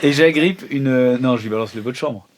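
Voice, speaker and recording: A tabletop game player chatting casually and joking in an excitable way. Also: medium pitch, fairly quick. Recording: clear background noise, clicks.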